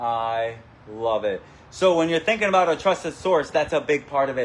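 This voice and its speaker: A loud, enthusiastic man's voice, fairly high in pitch, with very wide pitch swings at a moderate pace. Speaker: networking event host and interviewer. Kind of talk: interview. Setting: networking event venue.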